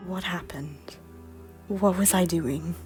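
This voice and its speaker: An anxious deposed queen, played by a woman in an audio drama, speaking over prominent music. Her voice is breathy and slips towards whispers, with a hesitant, wistful formality that carries wounded pride and guilt. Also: fairly low pitch, takes it slowly. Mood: uneasy. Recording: music under the voice.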